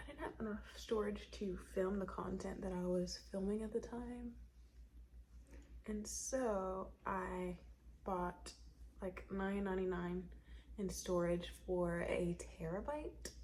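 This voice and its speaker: A woman whispers quietly at a very slow pace with long, frequent pauses, amid audible room echo and noticeable background noise. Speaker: beauty and lifestyle vlogger. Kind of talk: casual get-ready-with-me chat. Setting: at home in apartment. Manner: whispering, quiet; slow, deliberate.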